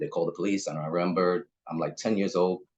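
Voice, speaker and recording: Very deep and low, a man's voice moves at a fairly quick pace. Behind him the background stays quiet. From Bronx, New York City, Puerto Rican family. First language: Spanish. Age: 50s. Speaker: justice advocate, former prisoner. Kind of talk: panel presentation, personal testimony. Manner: halting, many fillers.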